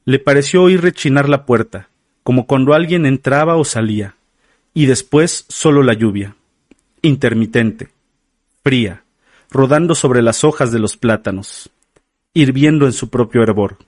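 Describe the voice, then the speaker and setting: A man narrating a literary audiobook in a slow, measured, somber way. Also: mid-range voice, a little mellow, dry recording, studio quality.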